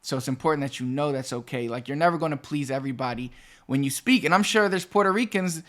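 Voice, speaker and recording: A man's voice: fairly high pitch, quick pace, a bit bright. A man hosting a Spanish lesson video, explaining in a chatty, digressive way and often restarting phrases. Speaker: Spanish teacher and channel host. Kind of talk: explaining a language lesson to camera.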